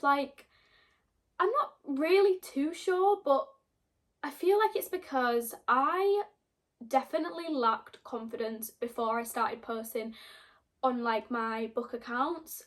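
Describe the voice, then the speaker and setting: A woman's voice: a little high, fairly bright tone. A young woman from Yorkshire with a Yorkshire accent, chatting casually to camera about herself, rambling with lots of fillers. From Yorkshire, England. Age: young adult. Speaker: book vlogger.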